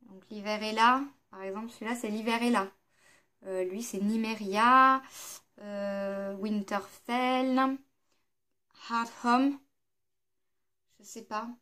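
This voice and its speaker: A woman's voice: medium pitch, fairly even intonation, measured pace, bright, forceful tone. A woman vlogger chatting casually through a makeup palette review, hesitant and full of fillers. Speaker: beauty vlogger.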